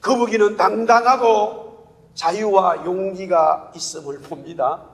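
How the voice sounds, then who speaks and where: High-voiced pastor with Gyeongsang accent. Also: male voice, unhurried. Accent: Gyeongsang Korean. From Gyeongsang region, Korea. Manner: lively storytelling with rhetorical questions. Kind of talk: sermon. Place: church sanctuary. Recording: long church-hall reverb.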